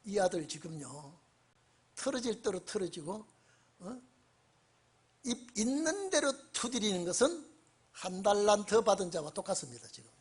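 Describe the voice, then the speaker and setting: A male pastor giving an evening church sermon, emphatic and prodding his congregation with repeated questions, swinging between loud bursts and quiet low phrases. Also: very animated, moderate pace, long pauses, husky. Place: church sanctuary during an evening service.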